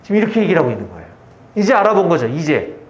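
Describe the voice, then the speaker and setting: A man's voice: on the high side, wildly swooping pitch, racing. A pastor giving a chatty expository sermon at a church service, explaining a scripture passage and asking his listeners questions. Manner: conversational, asks the audience questions. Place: church service at a military base. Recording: echoey room, dull lo-fi sound.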